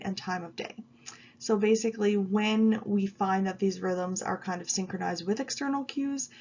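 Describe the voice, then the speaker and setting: A woman giving a recorded video lecture while she has a cold, explaining at an even pace with frequent ums. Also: mid-range voice, dull audio, a little hiss or hum. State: stuffy with a cold. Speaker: college psychology instructor.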